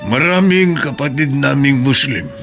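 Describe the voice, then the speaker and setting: A man playing a grieving, principled Muslim man in a Tagalog radio drama, speaking in an earnest, measured way. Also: mid-range voice, a bit bright, soft background music. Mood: sorrowful, earnest.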